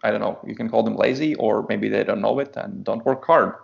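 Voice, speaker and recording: A man's voice: on the low side, fairly quick, creaky. A man from Latvia, a native Latvian speaker, talking matter-of-factly as a podcast guest and often repeating words as he starts a sentence. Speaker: podcast guest, dating coach. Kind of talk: casual podcast chat. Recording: dull lo-fi podcast audio.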